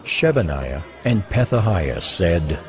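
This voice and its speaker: Deep-voiced man narrating scripture. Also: big pitch swings. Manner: solemn, measured storytelling. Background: music.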